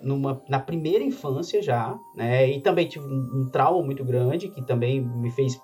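A woman's voice: rumbling low, normal speed, warm tone. A woman with a Brazilian accent, a guest on a casual podcast, talkative and full of restarts and tags like "né". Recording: dull lo-fi audio with faint music.

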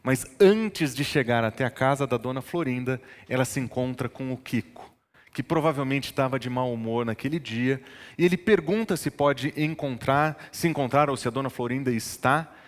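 A man's voice: mid-range voice, moderate pace. A male pastor preaching a sermon, telling stories from his childhood and building to emphatic teaching. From northern Brazil. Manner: storytelling, rising to emphatic preaching. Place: church. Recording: long church reverb.

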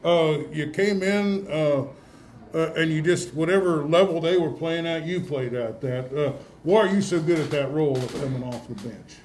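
A man hosting a casual sports awards interview, folksy and halting, often repeating himself as he goes. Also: a little high, a little mellow. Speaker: radio host interviewing award winners.

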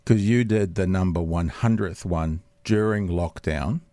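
A man hosting a podcast from a studio, his voice low and deep the way it gets on morning radio. He chats loosely, circling back and laughing at himself. The sound is close and dry. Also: unhurried, mellow, no echo. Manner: chatty, rambling and self-deprecating. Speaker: podcast host. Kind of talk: casual interview chat. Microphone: studio mic.

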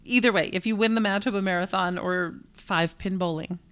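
A woman's voice: medium pitch, brisk, fairly bright tone, clean tone. A woman co-hosting a podcast, chatting playfully and reading out fun facts. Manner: playful, laughs often, reads prepared fun facts. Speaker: podcast co-host. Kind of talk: casual chat.

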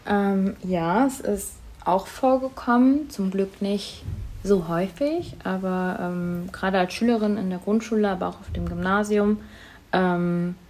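A woman whose first language is Tamil, being interviewed for a school project and answering thoughtfully with many pauses and hesitations. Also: medium pitch, a little mellow, slight background noise. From Germany.

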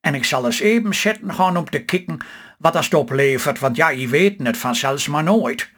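A man's voice: on the high side, lively intonation, moderate pace, fairly bright tone. A man reading as a chatty, hopeful farm wife. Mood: eager. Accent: Stellingwerfs Low Saxon.

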